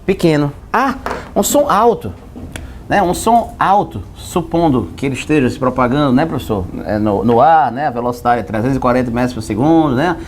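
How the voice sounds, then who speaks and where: With lively intonation and a slightly fast pace, a male physics teacher jokes through his lesson, questioning and answering himself and shifting pitch for comic effect. A little background noise can be heard.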